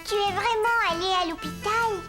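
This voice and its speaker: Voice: extremely high pitch, music in the background. An actor playing a curious, slightly timid four-year-old boy in a French children's cartoon, speaking in simple childlike phrases. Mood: friendly. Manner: simple, childlike, slow delivery.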